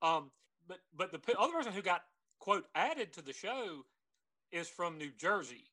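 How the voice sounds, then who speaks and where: A man's voice: sits high, sing-song, moderate pace, sharp tone. A man with a Southern American drawl chatting casually and jokingly as a podcast co-host.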